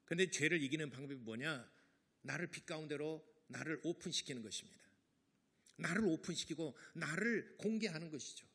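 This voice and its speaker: A man's voice: a little high, animated, a little fast, fairly bright tone, breathy edge. A middle-aged man preaching a sermon as pastor, talking casually to the congregation and acting out the people in his stories. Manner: conversational preaching with acted-out quotes.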